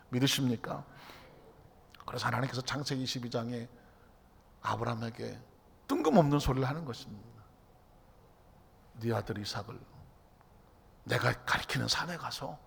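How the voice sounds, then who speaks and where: A middle-aged man pastor preaches a Friday night sermon in a large church sanctuary, and long hall reverb trails after each phrase. His voice sits high and gravelly and ranges widely in pitch. He asks the congregation question after question, shifting from loud emphatic bursts to hushed near-whispers. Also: big pitch swings, moderate pace, pauses often.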